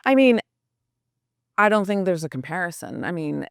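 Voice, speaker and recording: A woman's voice: on the low side, sing-song, moderate pace, vocal fry, clean tone, no echo, clean studio sound. A woman journalist as a podcast guest, talking earnestly and thinking aloud with restarts. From United States. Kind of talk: reflective podcast interview.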